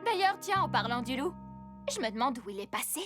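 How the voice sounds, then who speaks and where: A woman voicing an eager, nosy schoolgirl reporter in a cartoon dub, excitable and full of questions. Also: high voice, brisk. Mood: inquisitive. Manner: excitable, inquisitive. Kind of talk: animated cartoon dubbing. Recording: music behind the voice.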